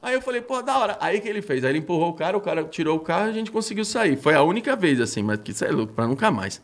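A man telling road stories in casual chat, animated and swearing, acting out what people said. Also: high voice, very fast. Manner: animated, swearing, acts out quoted exchanges. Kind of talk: casual chat, storytelling anecdotes.

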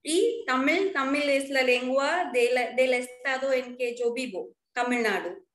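Slow, high-voiced Indian woman. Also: reverberant. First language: Marwari. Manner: hesitant, searching for words. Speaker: guest, Spanish teacher. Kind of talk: interview.

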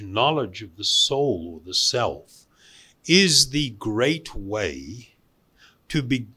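A man giving a spiritual lecture as a teacher, speaking deliberately with pauses and repeating phrases for emphasis. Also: medium pitch, sharp tone. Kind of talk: spiritual lecture to a live audience.

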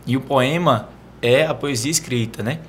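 A man's voice: mid-range voice, normal speed, a bit bright, slight background noise. A man from Brazil, a poet being interviewed, explaining casually and often checking if the listener follows. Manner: explanatory, repeats "né" and "entendeu". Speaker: poet guest.

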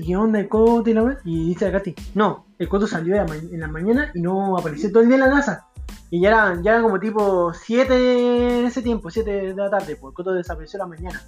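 Hombre chileno que narra muy rápido. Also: male voice, high voice. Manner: animated, acts out quoted voices, heavy slang. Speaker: storyteller among friends. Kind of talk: casual chat.

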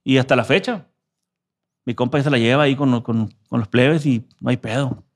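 A man's voice: medium pitch, normal speed. A man from telling a story in a casual interview, slangy and profane. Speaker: musician guest.

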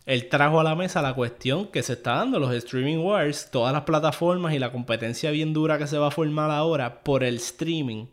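A man's voice: on the high side, fairly quick, few pauses. A man hosting a podcast in a loose, easygoing chat. He rambles from point to point and drops English phrases into his as he goes. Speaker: podcast host. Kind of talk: casual chat.

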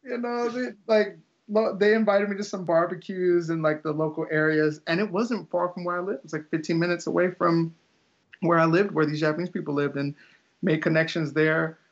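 A man's voice: a little high, fairly even intonation, fairly quick. A young man, a teacher, chatting casually as an interview guest, rambling with lots of fillers and restarts. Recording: dull lo-fi audio.

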